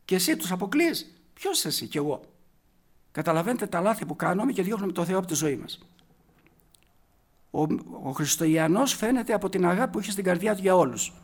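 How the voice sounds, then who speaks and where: A man with a notably high-pitched voice preaches a sermon. He speaks with emphasis and keeps putting rhetorical questions to his listeners. He drops to quiet, slow passages to stress key words, then rises into loud, forceful bursts. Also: very animated.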